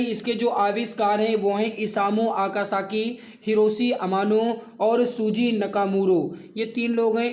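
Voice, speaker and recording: A man speaking as an online exam-prep teacher, addressing students familiarly with emphatic repetition. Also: sits high. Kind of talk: quiz lesson for exam students with promotional pitch.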